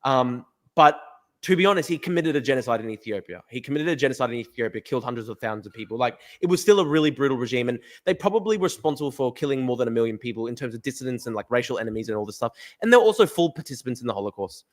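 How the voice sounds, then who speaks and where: An Australian man hosting a live-stream podcast, talking rapidly and emphatically with lots of fillers and restarts. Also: mid-range voice, animated. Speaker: podcast host. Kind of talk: live stream chat, reading viewer comments.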